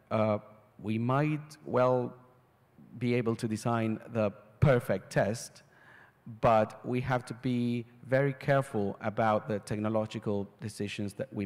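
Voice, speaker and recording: A man's voice: on the low side, a little mellow. A man speaking as a panelist at a conference, talking in a hesitant way with frequent restarts. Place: large conference hall. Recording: reverberant conference hall.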